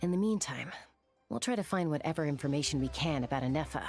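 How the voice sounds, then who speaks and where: A woman voicing a calm tribal woman in a video game cutscene who speaks in a reassuring way. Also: low voice, fast talker, soft background music.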